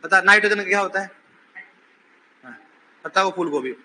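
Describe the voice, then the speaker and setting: A male teacher in a classroom, drilling his students with questions and teasing them when they falter. His voice sits high and cuts through sharply. Faint room noise runs under the recording. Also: fairly quick. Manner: says he is shouting while teaching. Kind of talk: classroom lecture.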